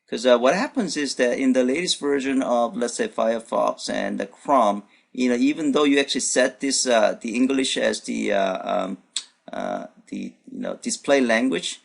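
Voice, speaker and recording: A man's voice: medium pitch, sing-song, normal speed, creaky, breathy edge. A male programming instructor whose first language is Korean, narrating a screen-recorded demo unscripted, thinking aloud with many fillers and restarts. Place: at his computer, voice-over on screen recording.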